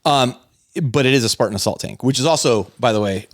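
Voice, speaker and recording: A man's voice: mid-range voice, a little fast, no echo, studio quality. A man co-hosting a casual hobby podcast, talking enthusiastically with frequent laughs and rambling restarts. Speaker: podcast co-host.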